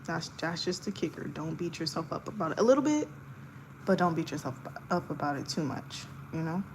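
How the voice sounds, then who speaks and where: A woman's voice: deep voice, expressive, brisk. A young woman in her twenties talks casually to her viewers as she draws. Her chat is loose and giggly, full of fillers. A faint hum sits under the voice. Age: 20s. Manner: chatty, giggly, lots of fillers. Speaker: art livestreamer. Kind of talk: casual chat while sketching.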